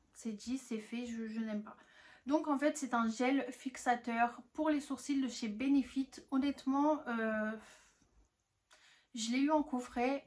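A young woman reviewing used-up beauty products in a casual, frank chat. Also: fairly high pitch. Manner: chatty, frank, lots of "honnêtement" and "franchement". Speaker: beauty vlogger.

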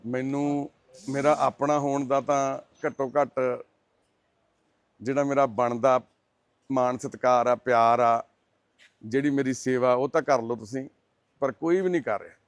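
A man's voice: medium pitch, fairly even intonation, measured pace, pauses often, no room sound. Earnest man making a charity appeal. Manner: earnest, gently consoling, explanatory. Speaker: charity volunteer presenting a case. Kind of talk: heartfelt appeal and on-site interview.

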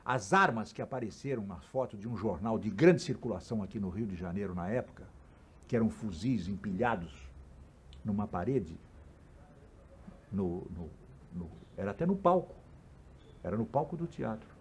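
A man's voice: lowish voice, expressive, normal speed, pauses often, slight background noise. A man recalling events in an earnest documentary interview, stressing his words. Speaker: interviewee, former student activist.

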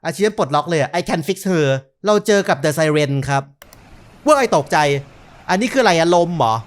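A young man talks through a horror game in loose, casual commentary. He is excitable, swears freely and yelps when startled, and his voice swings widely in pitch. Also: moderate pace. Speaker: gaming YouTuber. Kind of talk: casual let's-play commentary.

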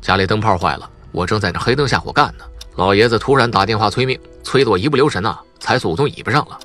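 A man's voice: on the low side, fast, fairly bright tone, soft background music, close to an everyday voice. A man voicing a grouchy, irreverent police detective captain with colloquial talk in an audiobook. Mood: grumpy.

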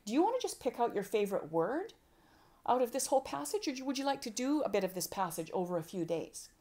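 A woman presenting an informal workshop on homeschooling, lively and fond of acting out little exchanges between a parent and a child. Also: a little high, fast. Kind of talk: informal teaching talk to a group.

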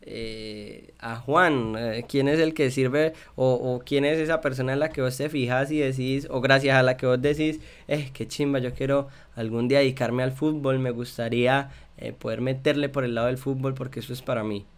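A man's voice: mid-range voice, steady tone, moderate pace, hardly any pauses, clean tone. A young man with a Colombian accent hosting a casual interview over a video call, chatty and often repeating words as he searches for them. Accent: Colombian Spanish. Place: small room at home. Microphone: headset.

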